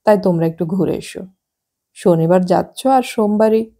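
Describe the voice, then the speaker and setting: A woman reading the part of an easygoing businessman husband in his thirties in an audiobook, in calm, coaxing talk. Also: mid-range voice, normal speed, close to an everyday voice.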